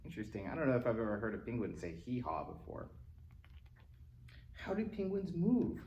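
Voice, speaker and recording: Animated man reading to children in echoey room. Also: medium pitch, fairly quick, dull audio. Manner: playful, chatty asides to young listeners; acts out animal sounds and exclamations. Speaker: library storytime reader. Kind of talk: animated read-aloud for young children. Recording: roomy echo with faint background noise.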